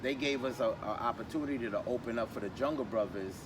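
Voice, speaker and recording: A man's voice: mid-range voice, fast. A New man talking from far off on a noisy street. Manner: rambling, many ums and restarts. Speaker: podcast guest. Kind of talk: casual storytelling chat. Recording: distant mic, street noise.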